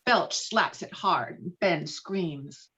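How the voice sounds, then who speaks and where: A woman's voice: lowish voice, extremely slow, a bit bright. A woman reading stage directions as the narrator of a dramatic script table read. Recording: dull, lo-fi call audio.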